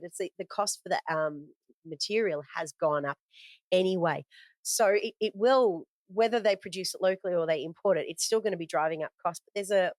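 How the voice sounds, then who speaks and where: Female podcast host, low-ish voice, dry booth, chatty and unscripted. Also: no echo, poor audio. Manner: conversational, with frequent fillers and self-corrections. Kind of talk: casual spoken market commentary from notes.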